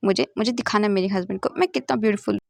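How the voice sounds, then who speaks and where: A woman's voice: mid-range voice, rapid-fire, gravelly, darkish tone, no room sound, lightly acted. A woman voicing a drunk, jealous young man who stammers and repeats his words in a hurt, whiny way, in a storybook reading. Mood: drunk, sulky.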